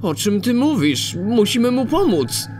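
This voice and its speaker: A man's voice: very high-pitched, sing-song, unhurried, noisy background, full character voice. A man voicing a young man in a cartoon fan dub that mimics a children's show. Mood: concerned.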